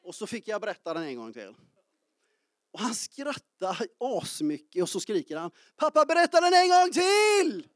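Lively, high-voiced preacher, early forties. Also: male voice, no echo, clean studio sound. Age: 40s. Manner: lively, joking, calls out to the congregation. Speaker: pastor. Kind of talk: sermon. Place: church.

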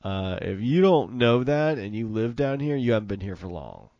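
Southern US man, co-host type, low pitch, close dry sound, folksy and blunt casual talk. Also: expressive, normal speed, darkish tone, dry recording, lo-fi sound. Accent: Southern American. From southern United States, Mississippi and Texas. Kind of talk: casual political chat.

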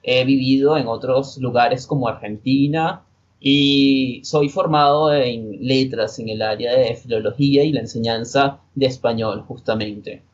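A man in his twenties from Venezuela with a Venezuelan accent, a Spanish teacher being interviewed on a podcast, explaining in a relaxed way. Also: medium pitch, unhurried, lo-fi sound. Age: 20s.

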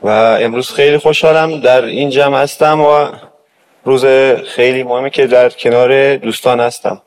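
A man's voice: mid-range voice, flat delivery, rapid-fire. A man in his twenties from Iran, a baptism candidate, speaking in simple, glad statements. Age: 20s.

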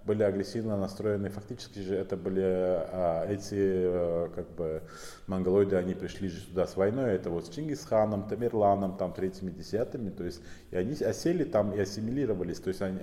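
A man from Tajikistan speaking Russian as a second language with a Central Asian Tajik accent, explaining things in an informal interview in a halting, repetitive way full of fillers. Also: fairly low pitch, mellow. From northern Tajikistan. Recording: roomy hall with long reverb.

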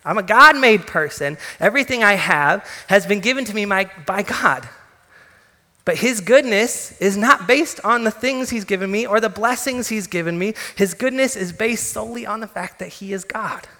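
A male pastor preaches to his congregation, telling the story with lively, joking asides. His voice is bright and fairly high, and it rings out with a long reverb through the sanctuary. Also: moderate pace. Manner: animated storytelling with casual humor. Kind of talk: sermon.

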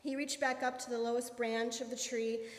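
High-voiced woman telling a church story. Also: normal speed. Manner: animated storyteller. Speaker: worship leader telling a children's story. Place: church sanctuary. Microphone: amplified microphone. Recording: echoey hall.

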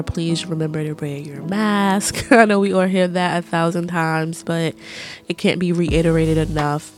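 A congested, stuffy-nosed podcast host talking through a relaxed personal monologue. The delivery rambles, candid and loose, with plenty of "um" and "like" fillers, at a middling pitch. Soft music sits faintly underneath.

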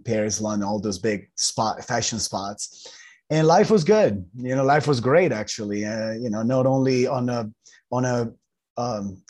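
A man's voice: medium pitch, darkish tone. Italian man telling his story, full of fillers. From Italy. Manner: rambling, many fillers and restarts. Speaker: guest, ultramarathoner. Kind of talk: casual interview storytelling.

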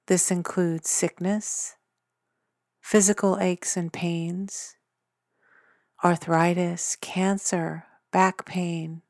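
A woman leading a guided body scan meditation in a gentle, soothing manner. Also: on the low side, flat delivery, very slow, pauses often, dry recording, studio quality.

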